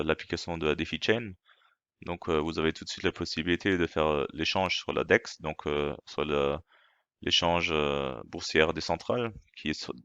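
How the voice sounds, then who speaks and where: His voice is very deep and smooth with a fairly bright tone, and the recording is dry and muffled. The man, a non-native speaker whose first language isn't French, hosts a crypto channel and casually explains a video he's translating, hesitant and full of fillers and false starts.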